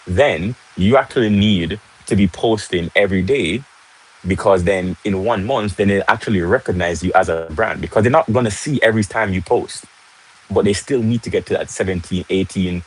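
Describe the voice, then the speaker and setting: In a casual home setting in Jamaica, a young man hosts a teaching livestream, chatting with viewers in a Jamaican accent and repeatedly asking "right?". His low-pitched voice has a breathy edge, and he greets people mid-talk. It is a rough recording.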